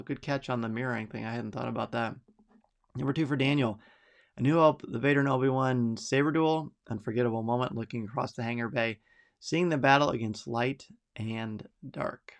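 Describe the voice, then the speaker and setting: Reading listener picks aloud and reacting to each, a middle-aged live podcast host sounds chatty and enthusiastic. He has a creaky, medium-pitched voice that is a bit bright.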